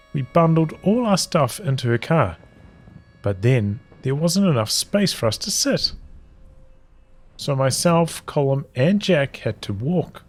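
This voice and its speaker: A man reading journal entries from a visual novel aloud as storytelling, in measured, halting phrases with pauses. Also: medium pitch.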